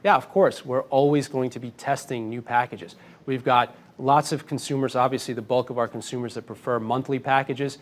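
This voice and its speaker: Confident male executive, mid-pitched. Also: fairly even intonation, a little fast. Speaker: company executive. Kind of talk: earnings call answers to analysts.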